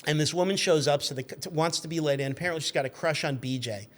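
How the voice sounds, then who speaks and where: A man in his fifties telling anecdotes in an animated, chatty way as a podcast guest. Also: on the high side, rapid-fire. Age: 50s. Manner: chatty, acts out quoted shouts. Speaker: podcast guest, magazine editor.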